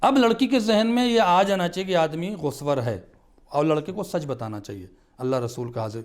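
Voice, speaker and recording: A man on a studio talk show, explaining marriage advice in an earnest, emphatic way. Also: fairly high pitch. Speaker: religious scholar guest.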